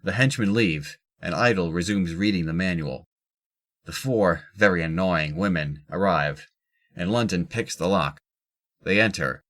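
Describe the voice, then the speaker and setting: A man's voice: deep voice, a bit bright. A man reading scripted narration for an audio drama as its narrator.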